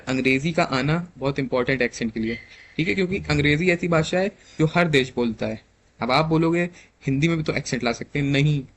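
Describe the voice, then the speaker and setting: Young male tutor, slightly raised pitch, slow read-out definitions then quick casual explanations. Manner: reads English definitions slowly, then explains casually with checks like "clear?". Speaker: exam tutor. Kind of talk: lecture mixing Hindi and English.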